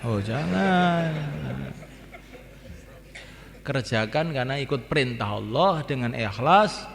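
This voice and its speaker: A man's voice: medium pitch, animated, slow pace, gravelly, fairly bright tone. A man preaching to a gathering, repeating his points with emphasis and sometimes chanting lines from the call to prayer. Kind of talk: religious talk to a gathering. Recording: long reverb hall.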